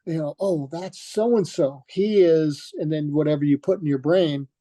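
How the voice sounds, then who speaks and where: Older man reminiscing, mellow and dry. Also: on the high side, normal speed, dry recording. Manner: rambling, many fillers and restarts. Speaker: retired motocross racer, guest. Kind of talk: relaxed reminiscing in an interview.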